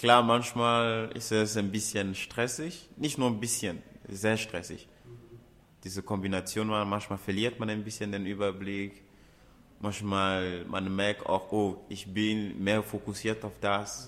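Here is a Ghanaian accent at a very slow pace. The intonation stays fairly even. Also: man, fairly low pitch for a man. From Togo. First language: Ewe (speaking German). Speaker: dancer and choreographer. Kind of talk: casual chat.

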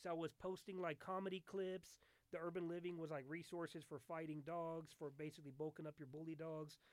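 A man speaks fairly quickly in a fairly high voice with monotone, flat intonation. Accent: American. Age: 40s. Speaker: comedian and content creator. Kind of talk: casual chat.

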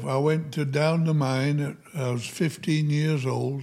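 A man with an American accent talks at a fairly slow pace in a fairly high, somewhat breathy voice. His intonation is monotone and flat. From Yorkshire, England. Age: 80s+. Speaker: retired coal miner and grandfather. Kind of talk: casual family conversation. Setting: home recording with podcast mics.

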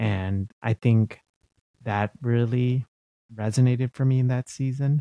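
Recorded with a dry, close sound and no echo, a man speaks at a fairly slow pace with fairly even intonation and long, frequent pauses. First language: a language other than English. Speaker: psychologist and business founder. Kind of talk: casual interview chat. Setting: video call from home studio. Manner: warm, effusive, uses many fillers.

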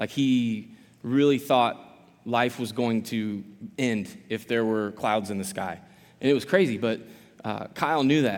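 With a US Midwestern accent, a man at medium pitch speaks at a fairly slow pace with ordinary pitch variation and long, frequent pauses. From Quincy, Illinois, US Midwest. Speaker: church staff, guest speaker. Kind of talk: sermon. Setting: church service with audience. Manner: animated.

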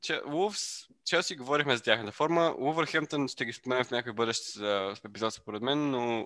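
With a bright, sharp tone and medium pitch, a man talks at a moderate pace with ordinary pitch variation in a very clean recording with a silent background. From Bulgaria, Sofia. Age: 20s. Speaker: football podcast co-host, student. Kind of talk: casual chat.

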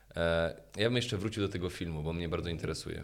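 Very fast and very deep, a man's low voice comes through with audible room echo. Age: 20s. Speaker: podcast interviewer. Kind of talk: casual interview.

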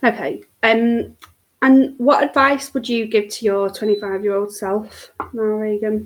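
At a fairly slow pace, a woman talks with fairly high pitch and ordinary pitch variation. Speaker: podcast host. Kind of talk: interview conversation. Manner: loud when nervous.

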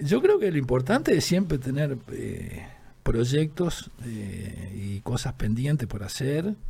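At a very slow pace, a man with a medium pitch speaks in a dark, mellow, somewhat breathy voice that makes very wide pitch swings. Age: 60s. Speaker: illustrator and cartoonist. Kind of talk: casual interview chat.

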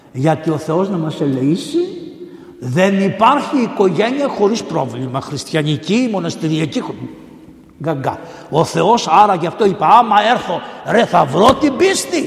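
A man with a high pitch and very wide pitch swings talks at a fairly slow pace with long, frequent pauses, amid noticeable background noise and audible room echo. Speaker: Orthodox priest and preacher. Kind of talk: sermon. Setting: church.

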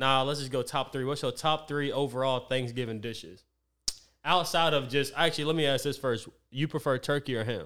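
Fairly quick and bright, sharp in tone, a man's medium-pitched voice shows ordinary pitch variation. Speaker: podcast co-host. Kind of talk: casual chat. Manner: slight stutter; animated.

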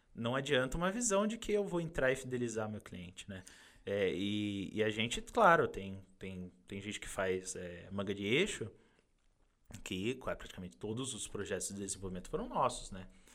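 Talking at a moderate pace, a man shows big swings in loudness. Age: 20s. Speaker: engineer and company director. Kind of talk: podcast interview.

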